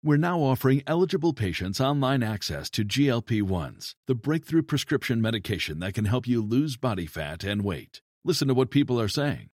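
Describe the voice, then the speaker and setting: A man narrates a scripted advert, talking directly to the listener. His voice sits at an average pitch, with a close, dry studio sound. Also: very animated, a little fast, few pauses, a little mellow, no echo. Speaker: advert voice-over.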